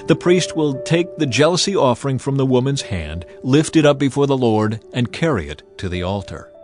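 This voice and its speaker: A man narrating scripture as a dramatized audio Bible, solemn and measured, with deliberate phrasing. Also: mid-range voice. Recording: music bed under the voice. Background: background music.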